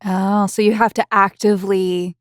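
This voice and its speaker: A woman's voice: mid-range voice, flat delivery, moderate pace. A woman interviewing a guest in a casual, conversational way.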